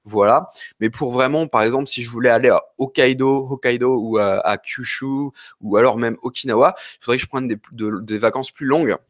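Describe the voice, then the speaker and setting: A French man hosts a live Q&A stream, answering viewer questions in a brisk, mid-range voice with few pauses and no echo. He's a little ill and coughs now and then, and his talk rambles in a hesitant, apologetic way.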